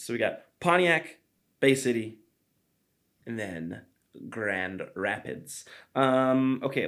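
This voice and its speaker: A man's voice: mid-range voice, a bit bright. A man hosting a podcast in casual chat, rambling with lots of fillers and offhand swearing. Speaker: podcast host.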